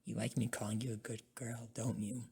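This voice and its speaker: A woman voicing a caring, dominant young college boyfriend in an ASMR roleplay, with a hushed, soothing and commanding manner. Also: very deep voice, level tone, normal speed, creaky, breathy edge, voice pushed down, heavily acted. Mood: teasing, affectionate.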